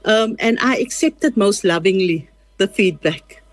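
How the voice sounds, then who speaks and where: Speaking Afrikaans-accented English as a South African whose native tongue is Afrikaans, this writer gives an earnest, relaxed interview, stumbling through plenty of fillers and restarts. Her mid-range voice moves at an unhurried pace, captured in a dry recording.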